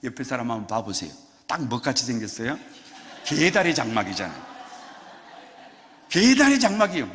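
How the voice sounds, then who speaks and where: A male pastor preaching a sermon in a playful, animated way, coaxing the congregation to answer him. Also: medium pitch, moderate pace, pauses often, slight background noise. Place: church sanctuary. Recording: long church hall reverb.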